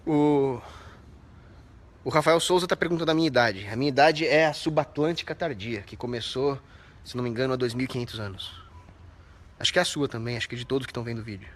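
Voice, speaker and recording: A man's voice: mid-range voice, fast. A young Brazilian man hosting a live stream, reading viewer comments between indignant, profane rants. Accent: Brazilian Portuguese. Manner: shouts out viewers' names. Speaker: livestream host.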